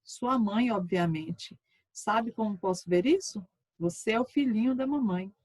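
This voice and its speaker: A woman reading the lines of a calm elderly male therapist guiding a session, in an instructive tone. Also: mid-range voice, a little slow, breathy edge, no room sound.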